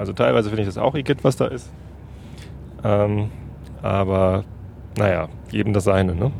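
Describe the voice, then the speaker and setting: A man with a fairly low pitch speaks with lively intonation. He leaves long, frequent pauses. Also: moderate pace. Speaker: podcast host and father. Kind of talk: casual chat. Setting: in a car.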